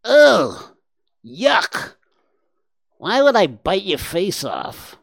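A man's voice: high voice, wildly swooping pitch, drawn-out words, gravelly, fairly bright tone, dry recording, studio quality, voice pushed up, full character voice. A man doing a nasal, slobbery storybook warthog. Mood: friendly. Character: friendly lonely male warthog, smelly, gentle.

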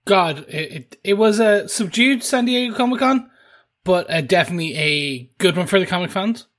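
A man's voice: high-pitched, lively intonation, normal speed, fairly bright tone. A man co-hosting a podcast in loose, casual conversation. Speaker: podcast co-host. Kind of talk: casual chat.

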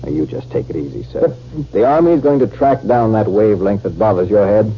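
An actor playing an army captain in a 1950s radio drama, with measured military diction. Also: male voice, lowish voice, animated, close to an everyday voice. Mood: placating. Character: smooth, dutiful army captain, secretly a cold spy. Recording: dull, hissy 1950s radio recording.

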